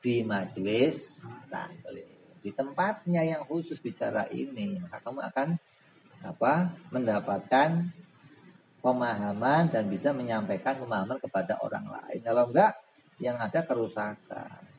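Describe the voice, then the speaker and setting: A man teaching a religious text in a relaxed, humorous way, who often poses questions to his listeners. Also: medium pitch, normal speed, vocal fry, slight background noise, poor audio. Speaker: Islamic boarding school teacher. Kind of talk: religious book study lesson.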